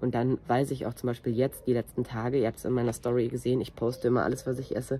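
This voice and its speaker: A woman's very deep, low pitch in a monotone, flat delivery, with light background noise. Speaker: vlogger. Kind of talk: casual vlog chat. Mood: relaxed, candid. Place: home room. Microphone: phone near.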